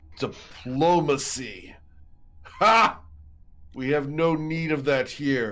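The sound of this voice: A gruff, put-on character voice sits at a low-to-middle pitch. It moves at a very slow pace with long, frequent pauses.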